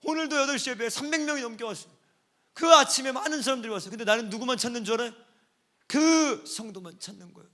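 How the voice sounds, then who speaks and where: Man, pastor, sermon at a church service, high voice, bright ringing tone, hushed to shouting storytelling.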